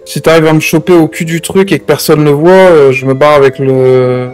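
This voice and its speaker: A man's voice: fairly high pitch, steady tone, moderate pace, a little mellow, clear, resonant tone, soft background music, lightly acted. Man playing a casual, streetwise gang member. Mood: focused. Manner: casual, slangy, directing others. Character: male gang member, streetwise, coordinating heist escape. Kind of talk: improvised online roleplay game, casual tactical chat.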